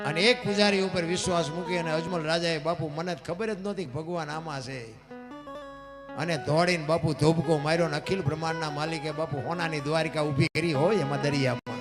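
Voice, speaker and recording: A man's voice: a little high, brisk. A man telling a devotional folk story in an emphatic, sing-song way at a live stage event. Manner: emphatic, sing-song, addresses listeners as bapu. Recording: guitar music behind voice.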